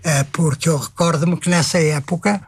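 An older man with a European Portuguese accent, a retired publisher reflecting at a measured pace and repeating phrases as he thinks. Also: on the high side, steady tone, husky, dry recording. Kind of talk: reflective conversation.

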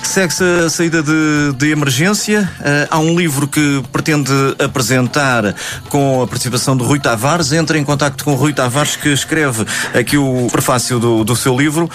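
A man's voice: medium pitch, normal speed, fairly bright tone, soft background music. A man interviewing a guest. He introduces topics and often finishes the guest's sentences for them. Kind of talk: conversational interview.

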